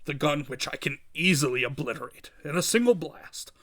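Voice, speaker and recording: A man's voice: a little high, expressive, a bit bright. Guy doing a big villain crime boss from a comic, pompous n cold, talks down to everyone. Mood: smug menace. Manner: pompous, grandiose, deliberate.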